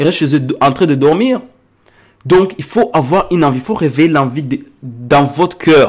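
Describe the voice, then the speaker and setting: With lively intonation and an animated tone, a man talks at a moderate pace, broken by long, frequent pauses. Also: fairly high pitch for a man. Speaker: motivational speaker. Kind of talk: livestream motivational talk. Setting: live stream.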